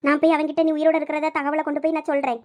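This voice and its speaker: A woman's voice: sits high, level tone, rapid-fire, a little mellow, close to an everyday voice. A woman voicing a kindly older female house servant who speaks in a soothing, protective way. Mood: caring. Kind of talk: audio drama acting.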